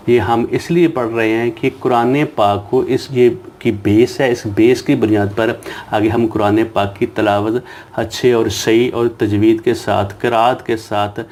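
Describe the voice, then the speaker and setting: A man with a fairly low voice runs a slow, patient reading lesson for children. He spells out each letter and sound one by one and repeats every syllable so learners can follow. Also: warm tone. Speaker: Quran reading teacher.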